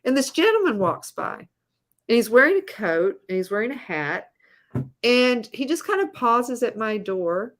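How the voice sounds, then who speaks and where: A woman's voice: on the high side, big pitch swings, moderate pace, a little hiss or hum. A middle-aged woman, a guest on a video call, telling stories in a rambling, casual way. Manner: rambling storyteller with many fillers and restarts. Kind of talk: casual interview chat.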